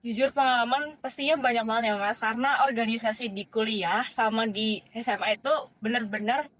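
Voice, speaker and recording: A woman's voice: a little high, fairly even intonation, brisk, fairly bright tone. A young woman from Central Java, a first-year student guest who talks at length in an earnest, chatty way. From Central Java, Indonesia. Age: young adult. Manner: talkative and earnest, often saying "honestly". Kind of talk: casual chat.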